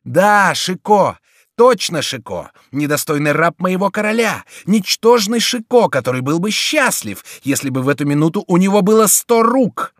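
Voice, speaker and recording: A raised, taunting jester's voice in an audiobook, as a male narrator puts him on. He is gleeful and theatrical and rides his pitch up and down with every jab. The recording is dry and close. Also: sing-song, moderate pace, fairly bright tone, dry recording. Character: gleeful, mocking male jester getting revenge.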